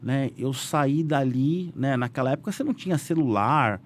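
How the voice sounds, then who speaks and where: Speaking at a normal pace with a little noise behind him, a Brazilian-accented businessman tells his story as a guest in a relaxed interview. He's lively, performs the quoted lines by lifting his pitch, and leans on "né?" as a frequent filler.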